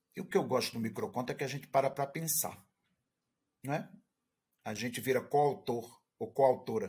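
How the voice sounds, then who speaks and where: An animated, somewhat breathy male voice. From Brazil, Pernambuco backlands (Sertânia). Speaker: writer teaching a writing course. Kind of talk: online lecture.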